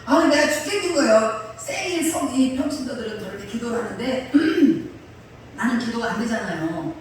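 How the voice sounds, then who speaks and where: A woman pastor preaching a sermon, telling personal stories in a lively way, often laughing and acting out the people in them. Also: on the high side, normal speed, slight background noise. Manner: animated storyteller, often laughing and acting out quotes. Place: church sanctuary. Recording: echoey church hall, mic far off.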